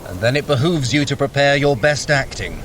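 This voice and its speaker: A man's voice: medium pitch, animated, brisk, a bit bright, slight background noise, close to an everyday voice. An actor playing a sly, scheming male trickster god in an audio drama, wry and commanding. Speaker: Loki.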